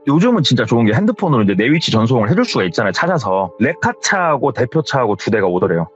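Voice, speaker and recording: A man retelling a scary story in a casual, lively way, full of acted-out quotes, in a slightly dull recording with faint music behind. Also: medium pitch, quick pace. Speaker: horror story narrator.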